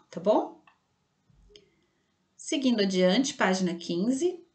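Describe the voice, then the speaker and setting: A Brazilian Portuguese-speaking woman teacher giving a slow, patient online grammar lesson to children, often checking in with the class. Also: fairly high pitch. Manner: patient, slow and didactic, checking in with "tá bom?" and "certo?". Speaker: primary school teacher.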